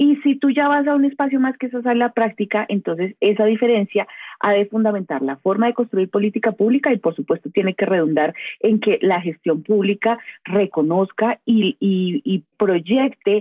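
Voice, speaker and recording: Her pitch sits at a medium level but swings very widely. The woman keeps a moderate pace and very even loudness. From Colombia. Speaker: academic, political philosophy professor. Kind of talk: interview, expert explanation.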